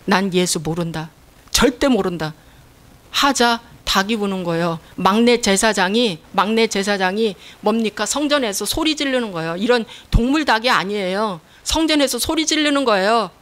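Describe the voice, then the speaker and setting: A woman's voice: fairly high pitch, moderate pace, few pauses, fairly bright tone. Emphatic woman pastor preaching. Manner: asks the congregation questions and answers them herself; emphatic, repeats key phrases. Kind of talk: sermon.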